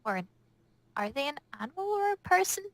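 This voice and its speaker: A woman's voice: high-pitched, sing-song, fairly quick, very noisy, pitched above the performer's own voice. A woman playing a cautious, concerned female adventurer in a conversational manner during a tabletop game. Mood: doubtful.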